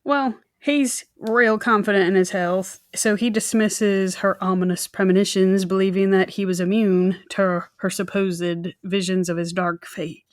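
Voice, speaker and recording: A woman with a mid-pitched voice tells a true crime story as a podcast co-host. Her delivery is informal and chatty, dropping into joking asides and mimicked quotes. The sound is dry and close. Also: steady tone, unhurried, hardly any pauses, no echo. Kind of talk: casual conversational storytelling.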